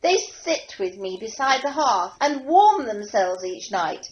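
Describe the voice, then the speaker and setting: A sweet, naive young servant girl from a comic pantomime, played by a woman. The voice is high and very lively in pitch, on a noisy home video-call recording. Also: measured pace. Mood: earnest, sweet. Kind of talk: pantomime audio acting.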